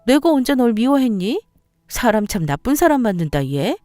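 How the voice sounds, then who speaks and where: Brief: a woman playing a sarcastic, domineering sister-in-law, pitched high and loud, lively and needling, dry close sound, faint music behind. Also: normal speed, no room sound. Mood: mocking. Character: sharp-tongued, sneering sister-in-law, a mother.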